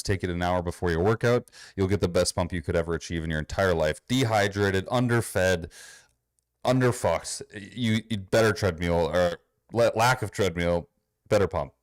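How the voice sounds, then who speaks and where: A man's voice: sits low, moderate pace, dry recording, clean studio sound. A man with a Minnesotan accent, a fitness coach giving blunt, sarcastic reaction commentary and swearing freely.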